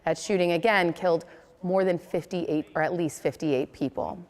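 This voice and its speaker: A woman's voice: fairly low pitch, steady tone, normal speed, background noise. American woman news anchor in reverberant room. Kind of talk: scripted local newscast delivery.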